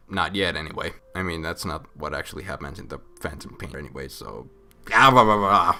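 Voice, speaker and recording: Drunk-sounding male comic narrator, lowish voice, profane, sarcastic, rambling; faint music bed. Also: sharp tone. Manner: crude, sarcastic. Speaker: host of a comic video game storyline recap.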